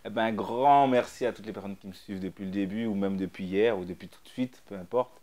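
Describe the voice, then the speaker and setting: Joking low-voiced man, blunt. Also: quick pace, dark tone. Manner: jokey, blunt, hesitant with fillers. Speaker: DJ and producer guest. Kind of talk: casual interview answers.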